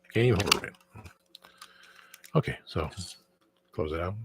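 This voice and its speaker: A man's voice: deep voice, expressive, moderate pace, gravelly, noisy background. A man hosting his own channel in casual, rambling chat, often restarting sentences and trailing off into asides. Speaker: channel host.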